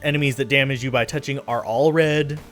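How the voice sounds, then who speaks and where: A man's voice: mid-range voice, fairly even intonation, brisk, a bit bright. A man giving casual commentary over his own gameplay, chatty and self-deprecating, often losing his train of thought. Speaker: let's play commentator. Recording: faint game music behind.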